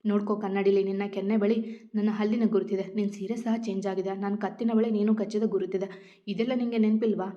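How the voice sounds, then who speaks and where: A playful young husband who dotes on his wife and teases her at every turn, read aloud by a woman. He speaks at a middling pitch, affectionate and teasing. The storybook recording sounds dull and lo-fi. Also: flat delivery, fast, dark tone, lightly acted. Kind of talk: storybook reading.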